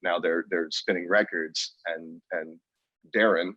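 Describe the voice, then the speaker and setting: A man's voice: low voice, steady tone, a little slow, pushed and bright, no room sound, muffled recording. A man co-hosting a podcast, telling a story in casual chat with lots of restarts and fillers. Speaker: podcast co-host.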